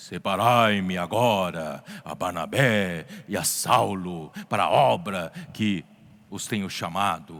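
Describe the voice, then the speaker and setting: A man uses a booming, put-on character voice. It sits at a very deep, low pitch and moves fairly slowly. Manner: commanding.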